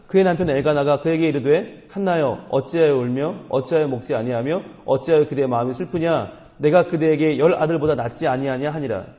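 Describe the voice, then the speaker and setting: A male pastor preaching a sermon, animated and humorous, asking the congregation questions and telling them to mark their Bibles, recorded in a reverberant hall. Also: a little high.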